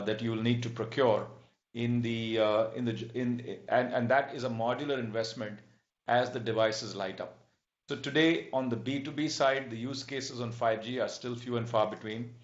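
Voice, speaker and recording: A man answering as a company executive on an earnings call, in a measured, halting, explanatory manner. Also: medium pitch. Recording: dull, echoey conference-call audio.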